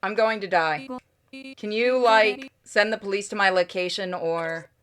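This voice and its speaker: A woman's voice: mid-range voice, a little slow, a bit bright, lightly acted. A woman voicing a panicked, exasperated young caller in a game, desperate and indignant. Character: panicked, exasperated young player character phoning for help.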